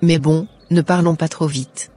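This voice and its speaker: A woman's voice: sits low, steady tone, measured pace, warm tone, breathy edge. A woman voicing a devout, earnest young Christian woman in a cartoon, speaking in a pious way. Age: young adult.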